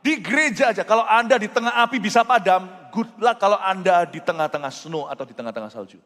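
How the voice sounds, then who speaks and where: A male pastor with a high voice preaches with animated emphasis, telling stories and dropping English phrases into his sermon. His voice rings through a church hall with long reverb, and faint music sits behind him. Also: quick pace. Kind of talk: sermon with storytelling.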